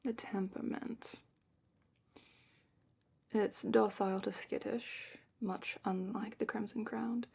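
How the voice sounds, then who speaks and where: Woman playing a breathy, whispering fantasy dragon keeper. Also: mid-range voice, steady tone, exaggerated voice. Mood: hushed, informative. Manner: hushed, unhurried, careful explaining. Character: gentle, knowledgeable female dragon keeper matching a visitor to a dragon. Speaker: ASMR roleplay performer. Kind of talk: soft-spoken fantasy ASMR roleplay, partly whispered.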